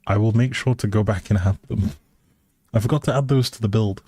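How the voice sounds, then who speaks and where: A man's voice: lowish voice, fairly quick, dark tone, husky, dry recording, studio quality. A man giving casual live game commentary as a streamer, musing aloud in a hesitant way.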